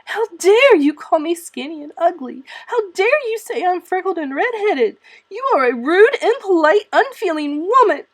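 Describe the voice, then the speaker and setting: A woman's voice: very high voice, sing-song, moderate pace, hardly any pauses, pitched above the performer's own voice. A woman voicing a furious, indignant eleven-year-old orphan girl in a storybook, in emphatic outbursts. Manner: emphatic, exclamatory, shouting outbursts.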